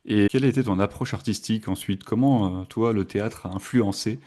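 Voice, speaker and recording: A man's voice: lowish voice, brisk, warm tone. A man hosting a podcast, asking casual questions with hesitations and fillers. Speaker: podcast host. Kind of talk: podcast interview.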